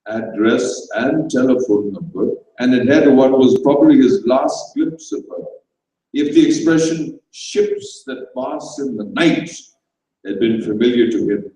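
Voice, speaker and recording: A man giving a dramatised, measured reading of a comic short story in an indoor venue. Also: medium pitch, dark tone. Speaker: story reader. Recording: very echoey room, distant microphone.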